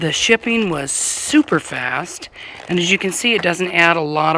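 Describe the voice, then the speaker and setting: Noticeable background noise beneath fairly slow, lively-intoned speech. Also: woman. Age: 60s. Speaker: motorcycle rider, customer. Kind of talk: product review testimonial.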